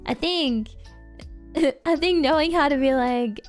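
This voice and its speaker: Young female streamer, high and bright voice, chatty and giggly, close-miked, faint music behind. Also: slow pace. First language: Norwegian. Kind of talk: casual livestream chat.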